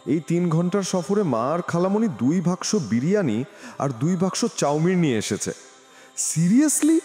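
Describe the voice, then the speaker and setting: A man narrating a romantic story in the first person, expressive and animated. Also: fairly high pitch, moderate pace. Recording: reverberant with music behind.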